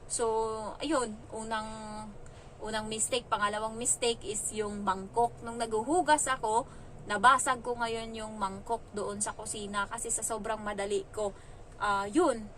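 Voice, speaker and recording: A woman from the Philippines working as a domestic helper, telling a story casually on her vlog in an animated way and acting out the dialogue. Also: on the high side, a little slow, a little hiss or hum, poor audio. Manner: animated retelling with quoted dialogue.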